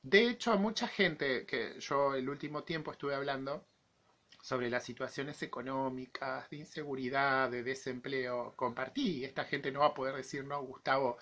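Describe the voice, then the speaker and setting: A man's voice: mid-range voice, normal speed, pushed and bright. A man in his forties with an Argentine accent, giving his opinion to camera as a vlogger, his voice affected by an infection he is recovering from. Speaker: YouTube vlogger. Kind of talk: personal opinion monologue to camera.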